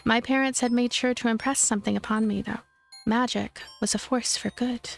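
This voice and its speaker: A woman let's player reading a visual novel aloud in expressive narration, with game music behind her. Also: a little high, normal speed, vocal fry.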